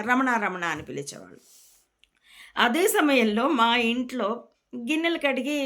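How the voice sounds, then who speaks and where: A woman from Rayalaseema, a spiritual teacher, giving a calm, reflective discourse to her followers. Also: fairly high pitch. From Rayalaseema, India.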